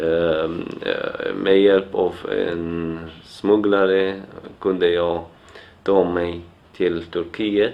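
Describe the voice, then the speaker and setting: A man with an Arabic accent at a very slow pace. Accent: Arabic-accented Swedish. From Syria. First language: Arabic (speaking Swedish). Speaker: migrant interviewee. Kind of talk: interview testimony. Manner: halting, many fillers and repeats.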